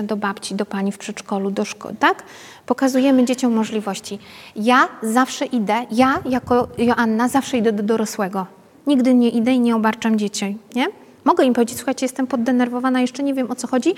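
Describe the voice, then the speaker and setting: A woman, a pedagogue, giving an informal workshop talk to a group, chatty and often checking in with her listeners through tag questions. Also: fairly high pitch. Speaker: pedagogue leading a parenting workshop. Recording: long reverb from a hall.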